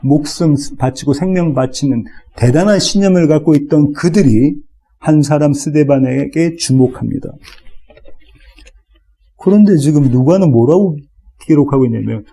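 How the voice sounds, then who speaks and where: A man's voice: on the high side, normal speed, gravelly, dark tone, breathy edge. A male pastor preaching an expository sermon in a church, reading scripture and voicing the biblical figures with rising intensity.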